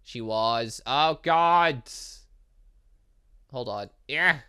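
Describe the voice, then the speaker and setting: A man giving animated let's play commentary on a story game, reacting out loud with exclamations. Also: medium pitch, very slow, clear, resonant tone. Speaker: gaming channel host.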